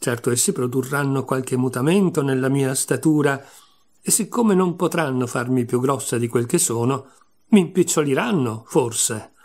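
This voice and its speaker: A man voicing a curious, clever young girl in a storybook reading, with a lively, raised voice. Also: medium pitch, moderate pace, natural voice. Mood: musing.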